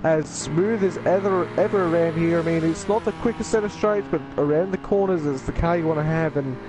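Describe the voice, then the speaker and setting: A man's voice: on the high side, fairly quick, noisy background. A man co-commentating a sim racing stream, analysing the cars with many fillers. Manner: rambling, filler-heavy analysis.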